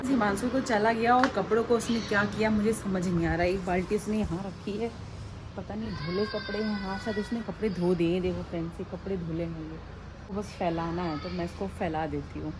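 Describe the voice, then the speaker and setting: A woman's voice: medium pitch, fairly even intonation, brisk. A young woman narrating a casual home vlog to her viewers, chatty and laughing often. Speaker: family vlogger. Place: home kitchen and house. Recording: noisy home phone recording.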